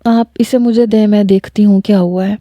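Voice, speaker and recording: A woman voicing a withdrawn young widow who answers softly and hesitantly. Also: medium pitch, steady tone, no echo, close to an everyday voice. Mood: tearful. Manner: soft, hesitant replies.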